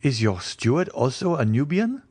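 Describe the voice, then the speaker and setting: An urbane young gentleman of Paris, acted by a male narrator, talks in a lifted pitch. He is polite but inquisitive, with a witty, teasing turn in his audiobook dialogue. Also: big pitch swings, normal speed, breathy edge. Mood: teasing, curious.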